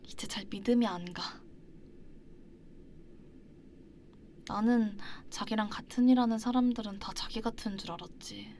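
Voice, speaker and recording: A woman performing an ASMR role-play as an affectionate partner in a long-distance romance, speaking softly and intimately into a close binaural microphone with gentle, halting delivery. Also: medium pitch, a little hiss or hum, natural voice. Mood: gently complaining. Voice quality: soft, breathy soft voice. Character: affectionate young woman talking to her faraway astronaut partner.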